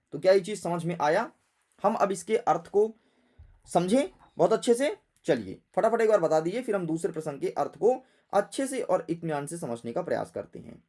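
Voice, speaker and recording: A male teacher giving a classroom literature lesson, talking straight to his students and firing quick check questions at them. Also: fairly high pitch, a little mellow.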